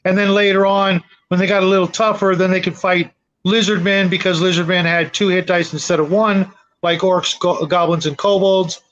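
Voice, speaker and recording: A middle-aged man chatting casually as a gaming show co-host, with a halting, meandering way of talking. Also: high voice, level tone, fairly bright tone. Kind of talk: casual chat. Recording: dull lo-fi voice chat audio.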